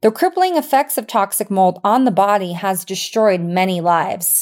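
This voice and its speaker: A woman with a normal speaking voice at medium pitch, lively intonation and a moderate pace, in a very clean recording with a silent background. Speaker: podcast co-host. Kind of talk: scripted ad and intro reading.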